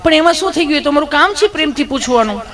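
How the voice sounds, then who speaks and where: A man doing a high, fussy nurse lady. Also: animated, quick pace, bright, forceful tone, a faint crowd, a little hiss or hum, full character voice. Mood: prodding. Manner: insistent, ends questions with a prodding "hmm?". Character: fussy female nurse asking questions.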